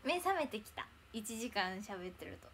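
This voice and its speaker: A woman's voice: mid-range voice, big pitch swings, moderate pace, a bit bright, slight background noise. A young woman chatting casually on a livestream in a bubbly, chatty way, thanking viewers as they arrive. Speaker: idol livestreamer.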